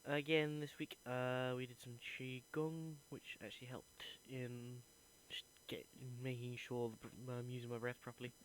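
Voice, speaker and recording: A young man talks through his week in an earnest, thinking-aloud way. His pitch is mid-range and barely moves. A faint hum sits under the recording. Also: little pitch movement, moderate pace, hardly any pauses, poor audio. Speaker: acting student. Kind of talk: reflective voice diary.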